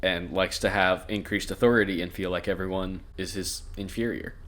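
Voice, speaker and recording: Reading scripture on a podcast he co-hosts, a man repeatedly breaks off to crack crude jokes, laughing often. He has a low, a bit bright voice with fairly even intonation and a brisk pace.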